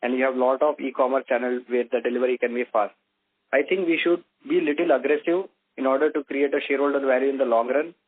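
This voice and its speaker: A man's voice: medium pitch, fast talker. A man, an investor on an earnings call who presses the management with direct questions. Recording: tinny phone line.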